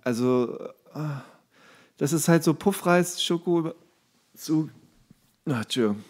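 A man co-hosting a podcast in casual, comedic chat, often halting as he searches for words. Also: on the high side. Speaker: podcast co-host.

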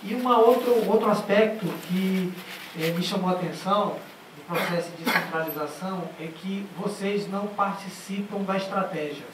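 A man giving a formal speech from a conference panel, halting at times with restarts, into a handheld mic. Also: high voice. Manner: halting, with restarts and filler sounds. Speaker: panel speaker. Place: large conference auditorium. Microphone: handheld mic, seated at a panel table. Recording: echoey hall from far off, faint noise.

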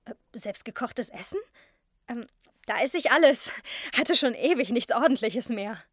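A sixteen-year-old girl in an audio drama. Her voice is fairly high. She speaks conversationally, polite yet guarded. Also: animated, a little slow, no room sound, studio quality. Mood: polite, eager.

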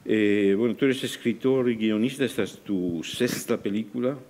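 An older man, interviewing a director with measured, leading questions in a small festival room. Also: fairly low pitch, darkish tone.

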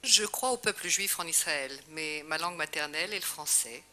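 A woman's voice: deep voice, normal speed, pushed and bright. A woman giving an earnest, personal prepared speech at a conference. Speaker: conference speaker. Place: conference hall.

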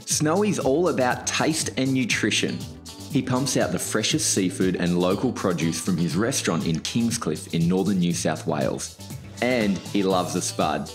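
A man in his thirties hosts a cooking show, his voice sitting slightly low and easy. He talks upbeat and keen, with bright music playing beneath him throughout. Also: animated, moderate pace. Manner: upbeat, enthusiastic. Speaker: host. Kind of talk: lifestyle cooking show narration and chat. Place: outdoors at a market, farm and garden.

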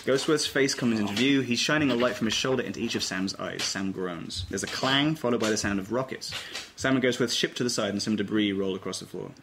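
Guy with a lowish voice reading out script directions, bit of background noise and clicking. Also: brisk. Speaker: table read narrator. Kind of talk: reading stage directions aloud at a table read. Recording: noisy amateur room recording, clicks.

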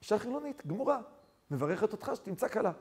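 A man preaching voices an elderly secular woman in a story, speaking quietly. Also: sits high, very animated, slightly rough, full character voice. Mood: moved.

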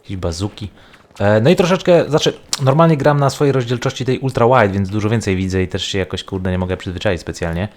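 Man, lowish voice, casual gameplay commentary, rambling, thinking aloud, noisy game sounds behind. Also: quick pace. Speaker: gaming video host.

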